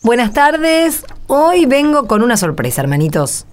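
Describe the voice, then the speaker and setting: An actress with an Argentine accent playing a playful, firm, kindly nun in a radio drama. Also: female voice, on the high side, big pitch swings, measured pace. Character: playful, brisk religious sister, kindly and firm. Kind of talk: radio drama acting and narration.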